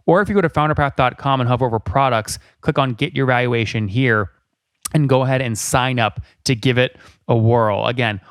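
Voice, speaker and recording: Brisk, pushy male host, dry sound. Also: medium pitch, a bit bright, dry recording. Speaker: podcast host. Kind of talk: fast sales pitch and interview questions.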